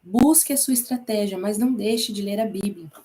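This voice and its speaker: A woman's voice: medium pitch, normal speed, mellow. A woman with a Brazilian Portuguese accent who teaches an informal Bible class in a chatty way, repeating herself and using many fillers.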